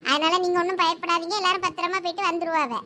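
A caring village housewife with a Thoothukudi accent, played by a woman in a homespun village drama. Her very high voice runs on fast and coaxing, soothing and talkative. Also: steady tone, sharp tone. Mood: reassuring. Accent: Thoothukudi Tamil. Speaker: village wife.

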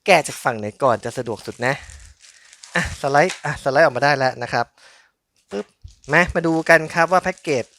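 A man's voice: mid-range voice, fairly quick, creaky, long pauses, bright, forceful tone. A man giving casual, chatty unboxing commentary in an informal but polite way. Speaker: toy unboxing channel host.

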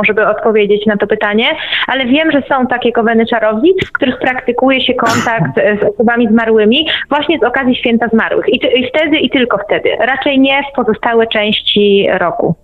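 A woman explaining things as a guest in a radio interview, conversational, pausing and checking with tag questions. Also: on the high side. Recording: narrow, tinny phone-like line.

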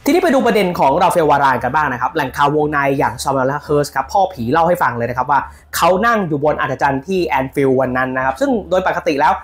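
A man giving casual football news commentary on his own channel, lively and animated, shouting out players' calls as he explains. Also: on the high side, very fast, few pauses.

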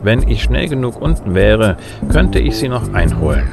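An actor playing a cocky middle-aged bounty hunter who flirts smoothly and narrates wryly in a sci-fi audio drama. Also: male voice, on the low side, big pitch swings, moderate pace. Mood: wry, laconic. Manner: wry, laconic. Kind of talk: first-person noir narration and dialogue in German sci-fi audio drama. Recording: music behind the voice.

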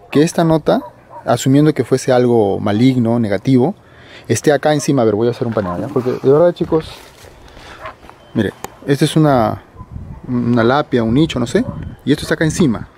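A middle-aged Peruvian vlogger narrates a night exploration of a hillside cemetery, speaking casually but hesitantly and often repeating phrases. His dark, mid-range voice moves at a normal speed with long pauses, captured on a noisy outdoor night camera recording.

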